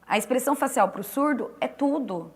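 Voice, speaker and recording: A woman interpreter explaining in a relaxed conversational way, restarting phrases and pausing as she talks. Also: high voice. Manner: explanatory, with frequent restarts and fillers. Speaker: sign language interpreter.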